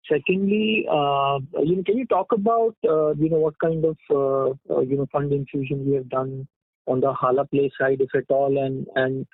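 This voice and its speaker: A man with an Indian accent asking questions as an analyst on an earnings call, halting and hesitant. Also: fairly high pitch, dry recording. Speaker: financial analyst caller. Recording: tinny dry phone line.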